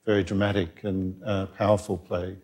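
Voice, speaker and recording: A man's voice: sits low, flat delivery, normal speed, a little mellow. A man with an Australian accent moderating a theatre panel, asking long questions with many ums and rephrasings, speaking on a mic at a public event. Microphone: microphone.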